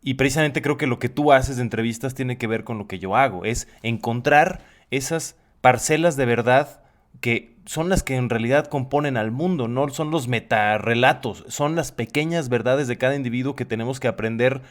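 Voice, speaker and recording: Mid-pitched man in thoughtful conversation. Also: normal speed. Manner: reflective, explanatory, restates his phrases.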